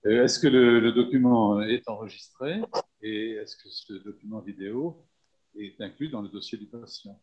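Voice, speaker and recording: A man's voice: lowish voice, normal speed, husky. A man asking a question as an audience member, tentative and apologetic. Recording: dull, lo-fi audio.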